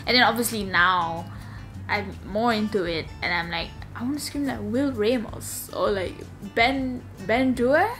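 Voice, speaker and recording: A young woman from Malaysia with a slightly raspy, low voice, chatting casually in a sit-down vlog at home, rambling with lots of fillers. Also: a little slow, a bit bright, soft background music. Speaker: vlogger. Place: home room.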